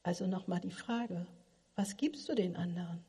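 A woman's voice: lowish voice, normal speed, warm tone, slightly rough. A middle-aged woman giving a sermon, asking her listeners earnest, probing questions. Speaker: preacher. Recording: long hall reverb.

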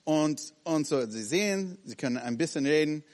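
Animated preacher man in a reverberant hall. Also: on the high side, normal speed. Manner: animated, acts out scenes in short broken phrases. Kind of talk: sermon.

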